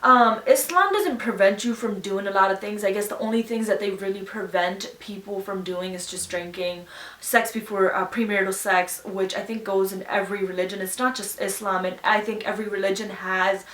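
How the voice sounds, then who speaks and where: A woman's voice: mid-range voice, moderate pace, a bit bright, far from the mic. A young woman from Pakistan, chatting casually as a YouTuber answering viewer questions in an earnest, reflective way. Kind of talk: casual Q&A chat. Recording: echoey room, voice a bit off-mic.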